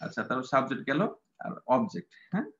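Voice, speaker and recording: A man's voice: medium pitch, big pitch swings, quick pace, a bit bright, slight background noise. A man teaching an English grammar class, patient and repetitive, with many fillers. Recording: dull lo-fi sound.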